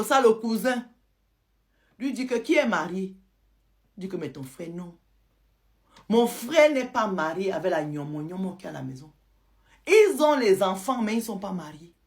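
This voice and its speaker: A woman, telling a listener's story to her audience in a lively, dramatic way. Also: medium pitch. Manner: lively, retells a follower's account in first person. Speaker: storyteller host.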